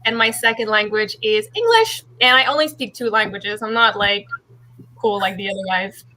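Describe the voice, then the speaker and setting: A woman's voice: mid-range voice, expressive, moderate pace, sharp tone, low-quality recording. A woman with a French accent, a native French speaker, introducing herself lightheartedly on a video call. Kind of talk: casual video-call discussion.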